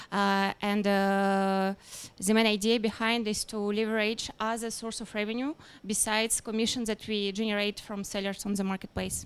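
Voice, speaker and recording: A woman with a slight non-native accent speaks at a moderate pace in a flat monotone, recorded very cleanly against a silent background. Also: medium pitch for a woman. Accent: slight foreign. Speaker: advertising executive. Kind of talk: panel discussion. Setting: stage with audience.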